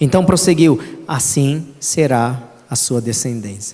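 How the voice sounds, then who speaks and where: A man is speaking. His intonation is lively. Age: 30s. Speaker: missionary preacher. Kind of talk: sermon with audience interaction, quiz and call-and-response. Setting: church with live audience.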